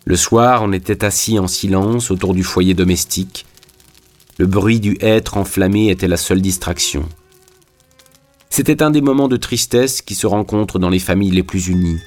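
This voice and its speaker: A man reading a classic novel aloud in measured, scripted narration. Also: low-pitched, a little mellow, faint music behind. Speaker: audiobook reader.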